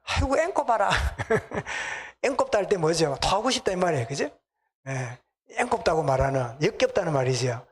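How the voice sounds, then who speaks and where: Speaking in a sing-song voice that runs on the high side, slightly rough and fairly quick, this middle-aged pastor delivers a sermon in a church sanctuary. His Gyeongsang Korean accent comes through as he talks conversationally and asks the congregation questions.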